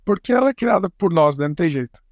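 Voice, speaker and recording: Easygoing Brazilian man, slightly high voice. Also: animated, fast talker, darkish tone, no echo, clean studio sound. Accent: Brazilian Portuguese. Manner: easygoing, explains with fillers and restarts. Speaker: interview guest. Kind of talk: casual conversational interview.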